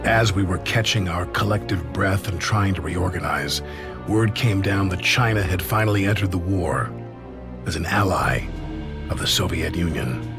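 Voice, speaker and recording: An actor narrating as a soldier looking back on the war, measured and reflective. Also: male voice, low-pitched, music in the background. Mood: somber. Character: male soldier recalling the war. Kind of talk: scripted game narration.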